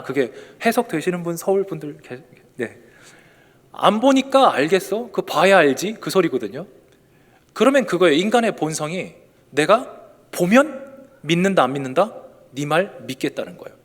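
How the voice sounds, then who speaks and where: Lively young male pastor in a reverberant church. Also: sits high. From South Korea. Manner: conversational, joking asides to the congregation. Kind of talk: sermon. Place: church sanctuary. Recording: long hall reverb of a church.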